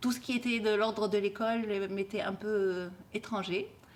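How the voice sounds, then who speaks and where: Speaking at a fairly slow pace with fairly even intonation, a woman talks in an Arabic accent. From Tunisia (Tunis area). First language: Arabic (speaking French). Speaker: architect and researcher. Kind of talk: oral history interview. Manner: hesitant, many fillers.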